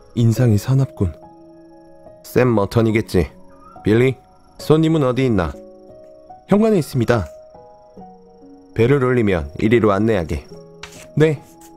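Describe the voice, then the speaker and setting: Over music in the background, a man talks at a fairly slow pace in a calm, soothing tone with lively intonation. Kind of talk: audiobook reading.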